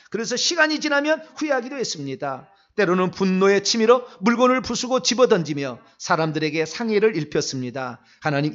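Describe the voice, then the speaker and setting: A man with a notably high-pitched voice leads a night prayer meeting as the pastor, guiding the congregation through confession. The recording sounds dull and lo-fi, as if captured in a church. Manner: slow confessional prayer, then loud fervent shouted prayer. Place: church sanctuary.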